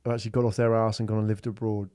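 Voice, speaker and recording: A man's voice: on the low side, flat delivery, racing, darkish tone, no echo. A man hosting a podcast interview, asking casual, probing questions. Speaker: podcast host. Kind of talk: conversational interview.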